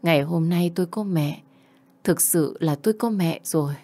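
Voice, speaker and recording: A woman in her twenties narrates a first-person family story with tender emotion, like an audiobook. Her slightly low, dark-toned voice moves at normal speed with a heartfelt delivery.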